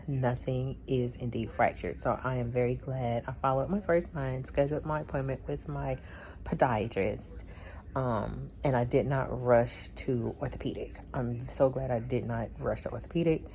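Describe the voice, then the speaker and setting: A woman's voice: a bass voice, dark tone. A woman chatting casually in a vlog, laughing often and acting out bits of her story. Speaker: vlogger.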